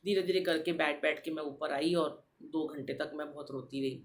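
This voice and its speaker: A middle-aged woman hosting a devotional podcast, telling a personal story in an animated way and addressing the listeners directly. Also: sits low, normal speed, slight background noise. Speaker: satsang podcast host.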